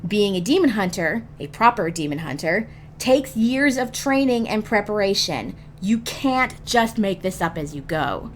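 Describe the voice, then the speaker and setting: A woman's voice: medium pitch, big pitch swings, a little slow, a little hiss or hum. A woman hosting a gaming guide, narrating scripted explanations emphatically and speaking directly to the listener. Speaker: host of a gaming roleplay guide.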